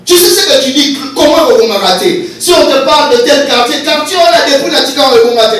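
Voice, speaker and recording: A man's voice: very high-pitched, animated, quick pace, fairly bright tone, very echoey, recorded from a distance. A middle-aged man from Congo, a pastor preaching a sermon and calling for amens from the crowd. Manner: preaching with call-and-response. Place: event hall.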